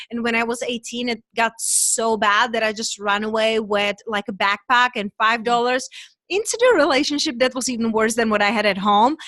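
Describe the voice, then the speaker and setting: Dry and close with no echo, a woman's fairly high, bright, sharp voice moves at a moderate pace with fairly even intonation. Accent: Czech. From Czech Republic. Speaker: meditation teacher and coach. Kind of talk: interview.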